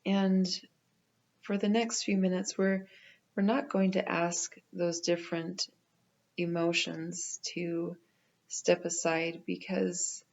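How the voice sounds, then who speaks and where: Woman, meditation guide, very slow pacing, even flat intonation, gentle delivery, dull muffled recording. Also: fairly low pitch, gravelly. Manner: gentle, unhurried, with pauses.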